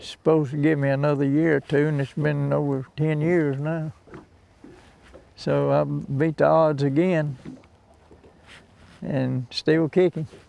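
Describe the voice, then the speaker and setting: In a rural Southern US accent, a man talks at a fairly slow pace with long, frequent pauses. His fairly high-pitched voice has a dark, mellow tone and monotone, flat intonation. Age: 80s+. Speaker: World War II veteran and fisherman. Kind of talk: interview testimony.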